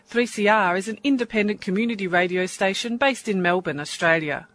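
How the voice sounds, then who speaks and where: Female announcer, scripted promo read, steady and plain. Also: medium pitch, a little fast. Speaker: station announcer.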